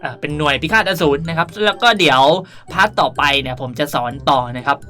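Young male gaming host, bright delivery, playful and chatty tutorial commentary over light music. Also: fairly high pitch, lively intonation, quick pace. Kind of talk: casual game tutorial commentary.

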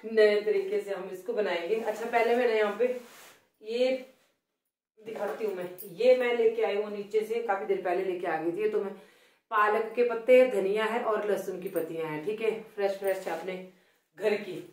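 A middle-aged woman with a Himachali Hindi accent chats loudly and grumbles a little while she cooks. Her voice sits at an average pitch. It comes from a phone placed some way off in a home kitchen, with a roomy echo around it. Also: steady tone, moderate pace. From Himachal Pradesh, India. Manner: chatty, complaining, talks loudly. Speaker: cooking vlogger. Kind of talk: casual cooking vlog chat. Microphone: phone placed away from her. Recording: roomy phone audio from a distance.

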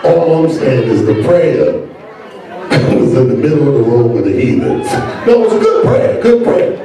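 A man hosting a stand-up comedy show in a hotel ballroom, joking loudly and profanely with the audience on a handheld mic. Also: medium pitch, very animated, unhurried. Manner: loud, profane, laughing banter with the crowd. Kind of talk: stand-up crowd work. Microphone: handheld mic, filmed from far back. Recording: echoey ballroom, distant camera, loud crowd. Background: loud music and laughing crowd.

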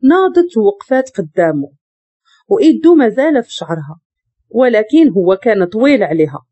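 Expressive Moroccan woman narrating a story. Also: on the high side, normal speed, slightly rough, no echo, muffled recording. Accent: Moroccan Arabic.

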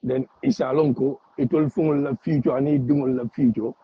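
A man's voice: mid-range voice, steady tone, brisk, breathy edge, highs cut off. A man giving impassioned political commentary, repeating phrases for emphasis.

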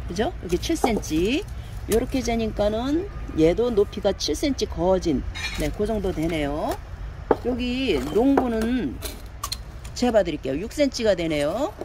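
Woman, pot seller, casual showcase talk, lively sing-song pitch, chatty and coaxing. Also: noisy background. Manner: chatty, fills talk with pointing words, coaxing buyers.

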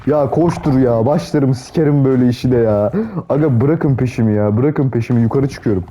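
A man's voice: medium pitch, brisk, dark tone, slight background noise. A young man giving casual gameplay commentary, swearing a lot and panicking in repeated pleas. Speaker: gameplay streamer.

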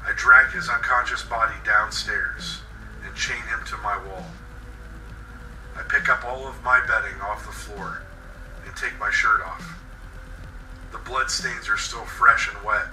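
A man reading a scripted first-person horror story in a deliberate, intense, dramatic way. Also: fairly low pitch, fairly even intonation, distant mic. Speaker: writer reading his own horror story. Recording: roomy echo, off-mic, faint music bed. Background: faint music.

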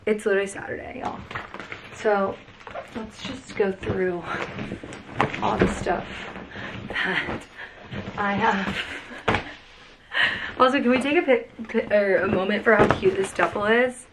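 A woman's voice: medium pitch, steady tone, measured pace, pauses often, very noisy. A young woman, chatting and gushing through a casual packing vlog in a cluttered bedroom, recorded by a camera a few feet away. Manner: chatty, gushing, lots of "like" and "freaking". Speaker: vlogger. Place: cluttered bedroom, sitting on the floor.

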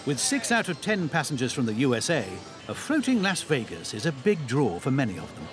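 Male narrator, scripted documentary voice-over, lively pitch, music bed. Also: brisk.

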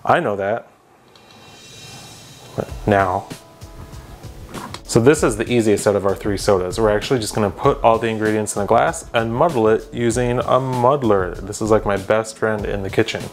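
A young man hosting a home cooking demonstration in his kitchen, talking straight to the viewer with deadpan joking asides. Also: fairly low pitch, moderate pace, pauses often, soft background music. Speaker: cooking show host.

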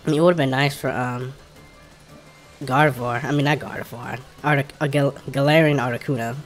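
A man's voice: medium pitch, steady tone, fairly quick. A man with an African American English accent gives casual commentary while playing a video game, informally thinking aloud and muttering to himself. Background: game music.

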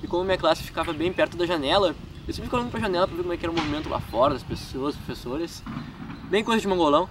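Young gaúcho dude, highish voice, chatty vlog talk, filmed outside from a distance, noisy park. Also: male voice, rapid-fire. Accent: southern Brazilian gaúcho Portuguese. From Rio Grande do Sul, Brazil. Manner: chatty, lots of filler tags, laughs at himself. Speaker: gaming YouTuber. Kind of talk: casual vlog, answering fan questions. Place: outdoors in a wooded park. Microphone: camera mic from a few feet away. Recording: distant camera mic with outdoor noise.

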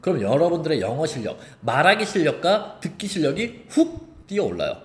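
A man with a somewhat high voice teaching pronunciation online, his pitch swinging widely as he explains and demonstrates each sound. The room around him is echoey. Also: big pitch swings, a little fast. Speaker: English teacher. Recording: roomy echo.

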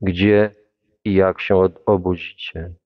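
A man reading a devotional Passion text aloud in a solemn, measured, reverent way. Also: deep voice, level tone, no echo, narrow, tinny audio.

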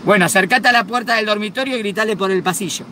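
A man's voice: high-pitched, quick pace, bright, forceful tone, slight background noise. A man voicing a patient family doctor, giving soothing instructions. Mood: calm.

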